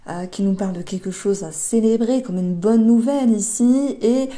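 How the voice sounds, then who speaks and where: A woman giving a monthly tarot reading, talking gently with many hesitations and restarts. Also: medium pitch, normal speed. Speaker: tarot reader.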